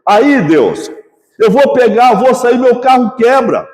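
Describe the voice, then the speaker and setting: A man's voice: very high voice, big pitch swings, slow, a little mellow, heavily acted. A man voicing a grown man who complains plaintively to God about his bad day. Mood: whining. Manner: plaintive, self-pitying. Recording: echoey church hall reverb.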